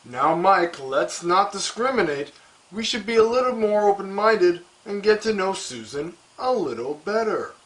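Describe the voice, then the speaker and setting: A man's voice: sits high, expressive, measured pace, fairly bright tone, poor audio. A man playing a polished, reasonable, unbothered TV anchor in a news broadcast parody.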